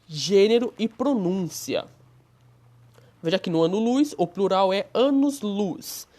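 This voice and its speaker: Woman teacher, Brazilian Portuguese accent, patient, step-by-step explaining, middle pitch. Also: a little mellow. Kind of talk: online Portuguese lesson.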